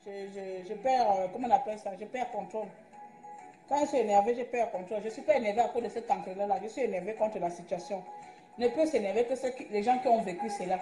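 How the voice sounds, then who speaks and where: A woman's voice: mid-range voice, fast, dark tone, echoey room, soft background music. Agitated woman on a livestream. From Gabon. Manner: agitated, admits she is angry and impulsive. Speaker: livestream host. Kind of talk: casual live-stream talk.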